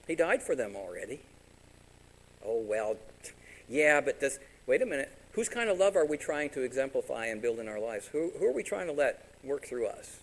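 A man preaching a sermon as pastor, animated and direct, sometimes voicing imagined congregants. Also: mid-range voice, normal speed, low-quality recording.

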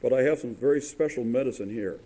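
A man preaching in a church with a rough voice and a mid-range pitch. He often halts, fills gaps with "uh" and restarts his sentences. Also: mellow. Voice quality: halting, with many fillers and restarts. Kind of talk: sermon. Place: church sanctuary.

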